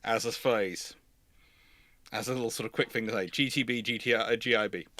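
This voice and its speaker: A man's voice: lowish voice, steady tone, fairly quick, bright, forceful tone, no room sound. A man with a British accent hosting an unscripted live chat, rambling and rephrasing himself as he explains. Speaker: host of a live history stream.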